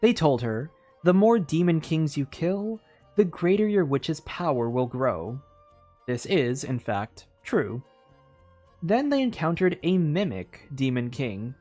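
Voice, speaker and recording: A game streamer reads a story aloud with an expressive, somewhat dramatic storybook delivery. The voice sits at a middling pitch, with music playing behind it. The reading is informal and open to casual asides. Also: takes it slowly.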